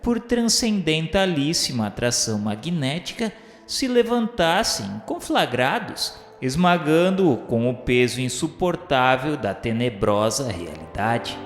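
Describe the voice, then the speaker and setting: A man's voice: medium pitch, very animated, measured pace. A Brazilian man reading a novel as grave, declamatory, formal dramatic narration. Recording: roomy long reverb with music.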